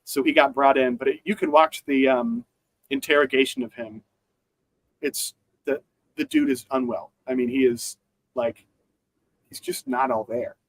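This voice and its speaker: A man's voice: mid-range voice, normal speed, long pauses, a little hiss or hum, poor audio. A man co-hosting a podcast, talking through news in a rambling casual way with many fillers and restarts. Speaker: podcast co-host.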